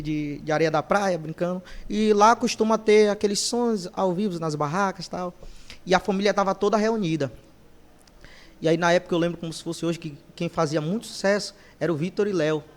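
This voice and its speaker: A male singer, a podcast guest, telling his story in a casual interview and lively acting out the voices of people he quotes. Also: high voice, brisk.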